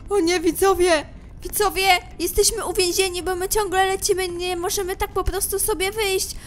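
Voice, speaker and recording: High, bright woman screaming at her game. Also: little pitch movement, moderate pace, a little hiss or hum. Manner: talks straight to viewers, swings from hushed suspense to screaming panic. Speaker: gameplay commentator. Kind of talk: excited game commentary.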